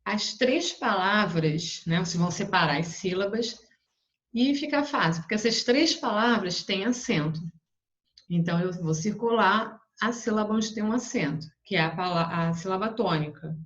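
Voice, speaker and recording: Brazilian woman teacher, patient step-by-step explainer, mid-pitched voice, dull lo-fi sound. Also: expressive, moderate pace, a bit bright. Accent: Brazilian Portuguese. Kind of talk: homework walkthrough for young pupils.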